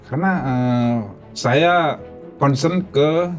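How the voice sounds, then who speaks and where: A man in comic panel banter, speaking mock-formally with halts and quick interjections. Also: mid-range voice, faint music behind. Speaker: comic panel guest playing a government official.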